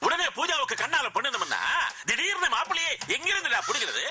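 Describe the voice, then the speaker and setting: An actor playing a scheming, menacing rural landlord in a film comedy, mocking and threatening by turns. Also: male voice, very high voice, sing-song, brisk. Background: film music.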